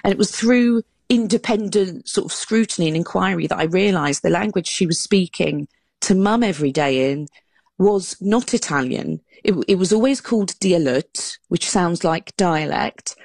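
A woman with a lowish voice talks through her ideas in an earnest, explaining way, and sometimes she restarts a phrase. The sound is dry and close. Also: vocal fry, darkish tone, husky, no room sound. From England. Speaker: author and guest. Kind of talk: radio panel discussion.

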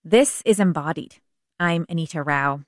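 A woman hosting a radio show, with a voice a little lower than most. She reads her intros and asks her questions in a measured, clear way. The studio sound is dry and close. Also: no echo. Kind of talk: scripted radio hosting and interviewing.

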